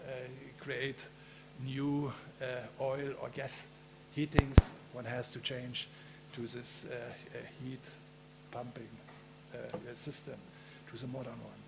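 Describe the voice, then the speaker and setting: A man giving a conference talk in a halting way, with many filler pauses and a gravelly voice. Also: mid-range voice, noisy background. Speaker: conference speaker.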